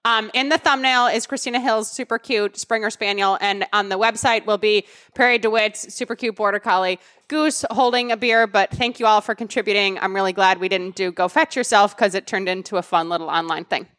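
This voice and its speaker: A woman co-hosting a podcast in casual chat, talkative and quick to laugh. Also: mid-range voice, steady tone, fairly bright tone. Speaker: podcast co-host.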